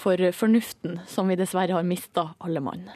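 A woman's voice: fairly low pitch, darkish tone. A woman from Norway co-hosting a radio show, recapping in casual banter with many fillers. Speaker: radio co-host.

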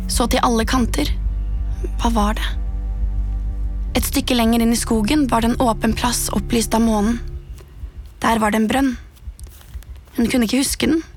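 A woman narrating a scripted horror story in a hushed, suspenseful way, often dropping to a whisper. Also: fairly high pitch. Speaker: podcast narrator. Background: music.

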